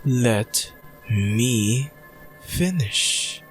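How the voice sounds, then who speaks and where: A man's voice: medium pitch, animated, drawn-out words, faint music behind. A man playing a cold, arrogant villain doctor in an audio roleplay, with a clinical, condescending delivery. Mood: contemptuous. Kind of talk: ASMR audio roleplay acting.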